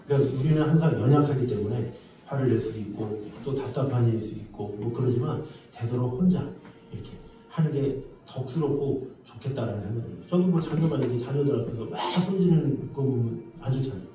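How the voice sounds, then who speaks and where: A man preaching a sermon, telling an everyday story with lively exclamations and then drawing a lesson from it. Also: medium pitch, fast. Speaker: pastor. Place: church sanctuary. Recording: very echoey, distant from the mic.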